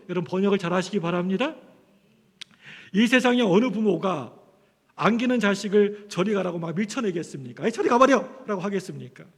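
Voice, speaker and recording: A man's voice: high-pitched, fairly bright tone. A man preaching a sermon as pastor, telling stories animatedly and acting out the voices of parents and children. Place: church sanctuary. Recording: long church hall reverb.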